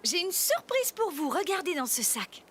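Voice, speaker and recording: A woman's voice: very high voice, very animated, moderate pace, noisy background. A woman playing an attentive, affectionate mother speaking coaxingly to small children in a cartoon.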